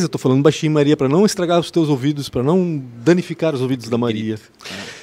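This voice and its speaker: Talking at a very fast pace with hardly any pauses, a man shows ordinary pitch variation and big swings in loudness. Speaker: podcast co-host journalist. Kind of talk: casual interview. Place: studio. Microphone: studio mic.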